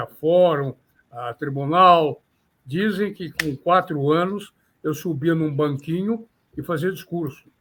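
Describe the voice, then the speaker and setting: Casting note: older male lawyer with a São Paulo accent, formal and measured, voice sitting a little high. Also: a bit bright. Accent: São Paulo Portuguese. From São Paulo, Brazil. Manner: measured, formal, slightly florid phrasing. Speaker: criminal defense lawyer, guest. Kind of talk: reflective interview answers.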